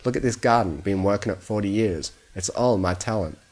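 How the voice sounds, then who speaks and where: A man voicing a kindly old male pony in a storybook reading, calm and folksy, able to be stern. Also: lowish voice, close to an everyday voice. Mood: folksy, curious. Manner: conversational, unhurried, folksy.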